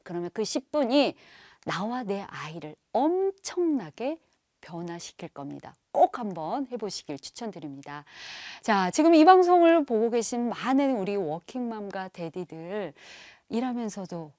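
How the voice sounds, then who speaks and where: A woman giving a televised parenting lecture. She asks the audience rhetorical questions and acts out parents' and children's lines in quick voices. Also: mid-range voice, sing-song, dark tone, dry recording, studio quality.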